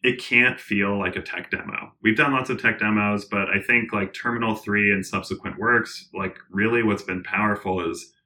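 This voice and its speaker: Bright-toned man talking in an interview. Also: lowish voice, normal speed, few pauses. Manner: animated, rambling with fillers and restarts; laughs often. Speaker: interview guest, tech founder. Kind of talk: casual conversational interview.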